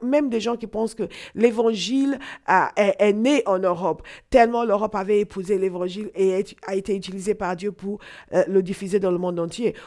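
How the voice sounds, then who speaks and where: A woman with an English accent talks at a moderate pace, her medium pitch moving with ordinary variation. Her tone is dark and mellow, and the recording is very clean with a silent background. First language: English (speaking French). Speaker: pastor. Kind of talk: sermon. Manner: animated.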